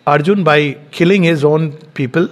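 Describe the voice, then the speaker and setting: A middle-aged man speaks in a measured, explanatory way. His voice sits a little high for a man. He talks like a teacher giving a spiritual lecture and slows down when he reads passages aloud. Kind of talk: reflective lecture with read-out quotes and commentary.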